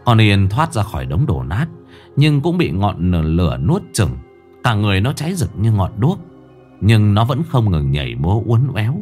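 A man's voice: fairly low pitch, sing-song, moderate pace, darkish tone, soft background music. A man narrating a ghost story in a dramatic storytelling manner.

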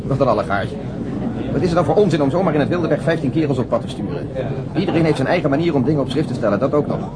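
An actor playing a pedantic, matter-of-fact police detective in a naturalistic radio crime drama. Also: male voice, medium pitch, heavy background noise, lightly acted.

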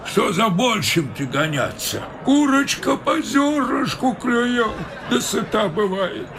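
An actor playing a smug, moralizing older male official in a radio play, with a slow, drawling, sententious manner. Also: very high-pitched, very animated, fairly bright tone, a little hiss or hum, heavily acted. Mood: lecturing. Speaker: senior official.

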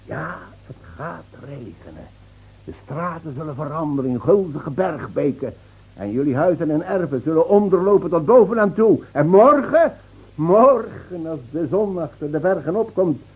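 An actor in a Dutch radio play playing a mocking, defiant old village drunk who foretells doom with theatrical scorn. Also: male voice, on the high side, husky, lo-fi sound, exaggerated voice. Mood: ominous, gloating. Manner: taunting, theatrical, scornfully laughing.

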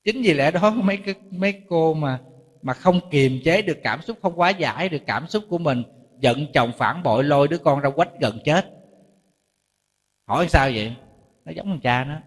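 A male Buddhist monk with a Southern Vietnamese accent giving a lively sermon, often asking the audience rhetorical questions. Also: on the high side, moderate pace, breathy edge. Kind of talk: dharma talk sermon. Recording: long reverb hall.

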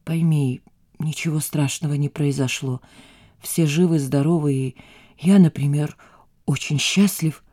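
A woman voicing a calm, hopeful man in an audiobook, speaking gently and placatingly. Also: low voice, measured pace, pitched below the performer's own voice.

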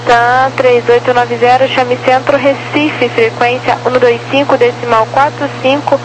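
Brief: Brazilian female controller, fairly high voice, clipped procedural delivery, crackly radio static. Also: little pitch movement, measured pace. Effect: crackly aviation radio. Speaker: air traffic controller. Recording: noisy crackly aircraft radio channel.

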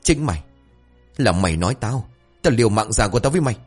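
A man voicing an angry older village father, blunt and gruff. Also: medium pitch, big pitch swings, faint music behind. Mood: furious. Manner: blunt, gruff, quick-tempered.

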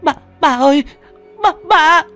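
A man voicing a young boy who stammers in a high, tearful voice. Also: animated, measured pace, darkish tone, faint music behind. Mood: wailing. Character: frightened young boy, desperate for his dad.

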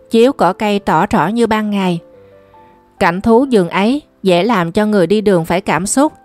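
A woman reading a novel aloud as an audiobook narrator, steady and even. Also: medium pitch. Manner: steady storytelling delivery. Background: faint music.

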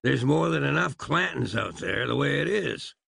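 A man voicing a gruff, hot-headed Old West brother who speaks bluntly. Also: medium pitch, animated, moderate pace, fairly bright tone, no room sound, studio quality, voice pushed up, exaggerated voice.

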